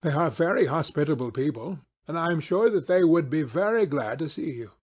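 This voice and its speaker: A man's voice: fairly high pitch, animated, a little fast, darkish tone, husky. A man playing a confident, eager male detective in an audiobook, with commanding, precise phrasing. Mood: brisk, assured. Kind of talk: audiobook character acting.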